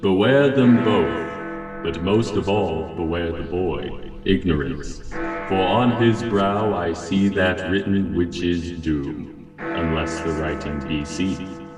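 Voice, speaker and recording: Man as a low, slow, echoing solemn spirit. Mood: grave, accusing. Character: solemn, aging Christmas spirit, grave and commanding. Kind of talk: theatrical radio drama acting. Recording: roomy, distant echo under loud music.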